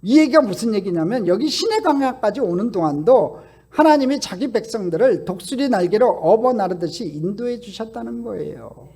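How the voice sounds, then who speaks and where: Animated storytelling pastor, gravelly voice. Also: male voice, sits high, moderate pace. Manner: animated storytelling with shifts between shouts and hushed asides. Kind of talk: Sunday sermon.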